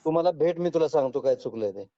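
Man, rural western Maharashtra accent, dark-toned, scolding, blunt and coarse, confrontational phone call, muffled low-fidelity recording. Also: lively intonation, fast talker. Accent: rural western Maharashtra Marathi. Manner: interrogating, scolding, condescending; blunt, coarse colloquial speech.

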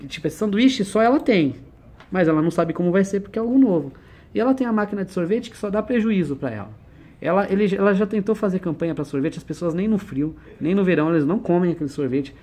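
A man's voice: high-pitched, expressive, fast talker, a little mellow. A man explaining business ideas in a conversational one-on-one lesson, using everyday examples and questions.

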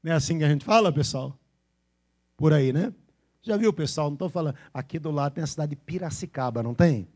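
A Brazilian pastor preaches to his congregation in a church, speaking quickly in a warm, fairly high voice with a São Paulo interior accent. He playfully imitates regional ways of speaking.

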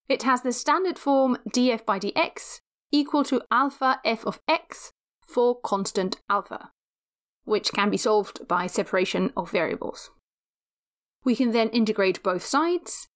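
A woman with a fairly high voice narrates a physics lecture. She explains each step in a measured, methodical way.

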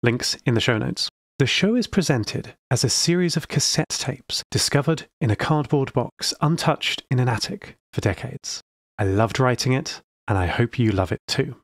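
A man's voice: mid-range voice, lively intonation, normal speed, no room sound. A man speaking as a podcast creator and host, giving a scripted introduction.

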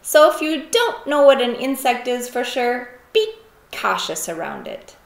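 A woman's voice: a little high, huge pitch swings, unhurried, creaky. A woman presenter reading scripted closing narration for a children's show. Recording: echoey room.

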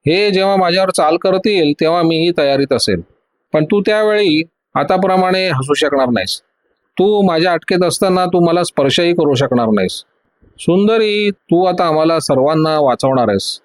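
A man's voice: a little high, animated, moderate pace, dry recording, lightly acted. A man voicing a ruthless, scheming male gang boss who barks threats and orders in a storybook reading. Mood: threatening.

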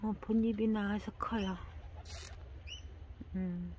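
An older woman talking slowly to herself while tending plants in a casual gardening vlog, often dropping into a half whisper. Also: medium pitch, steady tone, mellow, slight background noise. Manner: slow, murmuring, often drops to a half whisper. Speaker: gardening vlogger.

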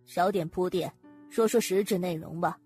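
A man's voice: normal speed, darkish tone, husky, faint music behind. A man voicing a scornful, impatient colleague in a dramatised audiobook. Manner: scornful, high-pitched. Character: sneering, impatient male colleague.

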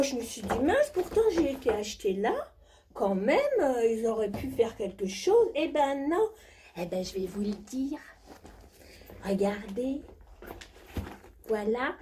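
A woman voicing a posh, rich female jet-setter who talks in a high, breathless, gushing way. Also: dark tone, a little hiss or hum.

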